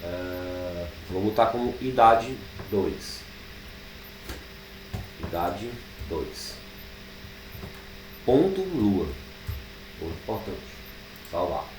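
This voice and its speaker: A Brazilian man teaching programming, thinking aloud as he types code, with drawn-out fillers. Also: low-pitched, a little mellow, distant mic. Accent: Brazilian Portuguese. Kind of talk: live coding class. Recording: echoey room, speaker away from the mic, faint background noise.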